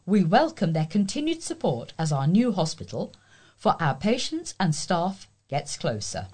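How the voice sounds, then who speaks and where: A woman's voice: on the low side, very animated, a little slow, a little mellow. A woman with a British accent reading local news aloud as a volunteer newsreader.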